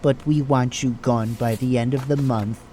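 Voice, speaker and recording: A man's voice: medium pitch, fairly even intonation, moderate pace, dark tone, close to an everyday voice. A man voicing a cold, stern hospital boss in an audio drama, speaking formally and bluntly. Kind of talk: amateur audio drama acting. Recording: noisy track.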